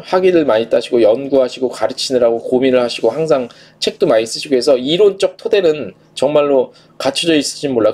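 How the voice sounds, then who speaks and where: Guy in his 40s, livestream host vibe, pitch swings around a lot, asks himself questions then answers. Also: a little mellow. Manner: opinionated, poses questions and answers them. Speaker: live-stream host, travel industry journalist. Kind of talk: casual live commentary, replying to viewer comments.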